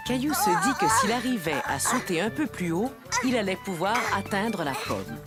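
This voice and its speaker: A woman's voice: medium pitch, huge pitch swings, moderate pace, over music. A woman narrator reading scripted storybook narration for a children's cartoon.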